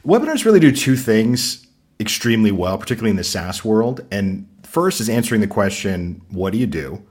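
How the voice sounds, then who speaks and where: A man with a fairly low voice talks in a loose, energetic way as a podcast guest. He is blunt about his opinions and keeps breaking into laughter. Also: a little fast, husky. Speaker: podcast guest, marketing consultancy founder. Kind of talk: casual interview talk.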